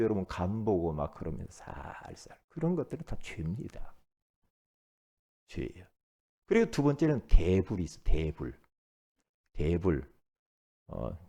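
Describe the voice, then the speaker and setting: A man preaching as pastor, moving between loud emphatic bursts and low asides, and at times leading the congregation in repeating his words. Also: creaky, slightly rough. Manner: calls the congregation to repeat after him. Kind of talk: sermon.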